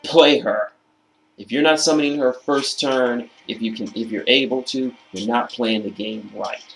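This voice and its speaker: A man presenting a card game deck in casual commentary, reading out card text and stressing key phrases by slowly repeating them, his voice slightly hoarse. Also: mid-range voice, fairly even intonation, a bit bright, soft background music, poor audio.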